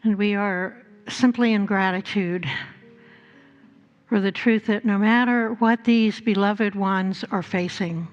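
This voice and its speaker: Female minister, very unhurried and measured, mid-range pitch, guiding a congregation through prayer. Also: steady tone, highs cut off, faint music behind. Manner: measured, with long pauses between phrases. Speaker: pastor. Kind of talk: church service talk and guided prayer. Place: church service before a congregation.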